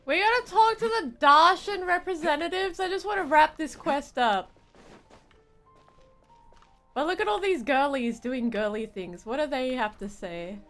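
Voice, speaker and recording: A young woman chats casually on a game stream in a high voice. She is playful and silly, drawing out words at an unhurried pace with lively pitch, over faint music. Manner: playful, giggly, silly exaggeration. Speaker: game livestreamer. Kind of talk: casual chat with stream viewers.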